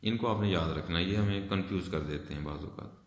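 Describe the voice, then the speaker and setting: A man's voice: low-pitched, quick pace. A man teaching an English spelling lesson, patiently explaining step by step and spelling words out letter by letter. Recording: echoey room with long reverb.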